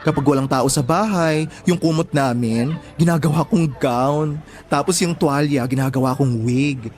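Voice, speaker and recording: A man's voice: fairly high pitch, normal speed, darkish tone, natural voice. A man with a Filipino accent playing a campy, sassy young gay man in an audio drama, talking in theatrical casual slang. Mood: dramatic, sassy. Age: young adult.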